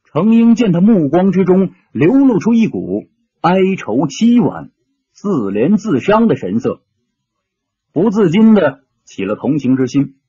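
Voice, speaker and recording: A man's voice: high voice, big pitch swings, a little slow, mellow, husky, no echo, lo-fi sound. A man narrating an audiobook story dramatically, shifting his tone with the action.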